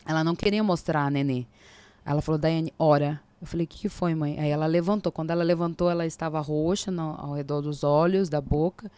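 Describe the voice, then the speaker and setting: Brazilian woman guest, forties, low-ish voice, dry close sound, lively storyteller. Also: fast talker, smooth, no echo. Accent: Brazilian Portuguese. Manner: animated storyteller, acts out quoted dialogue. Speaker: podcast guest. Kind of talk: faith testimony in casual chat.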